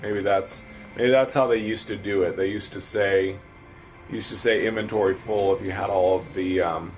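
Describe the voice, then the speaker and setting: A Midwestern American man hosts a livestream, casually commenting on his gameplay and answering viewers. His voice is lowish and steady at a moderate pace, with faint music in the background.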